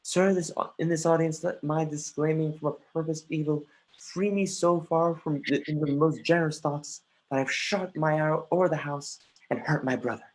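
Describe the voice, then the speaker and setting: An earnest, brooding young prince played by an actor in a dramatic reading, speaking Shakespearean verse at a middle pitch. There is a playful defiance under the courtly words, heard over a livestream. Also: steady tone, normal speed, natural voice, rough recording. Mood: contrite, earnest. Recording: livestreamed remote call.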